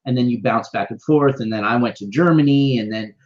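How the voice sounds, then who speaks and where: Guy hosting a chatty interview show, all excited and playful, kinda muffled audio. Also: fairly quick. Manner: excitable, playful, jumps up and down in pitch. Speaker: podcast host and producer. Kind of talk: casual interview chat. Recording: slightly dull lo-fi sound.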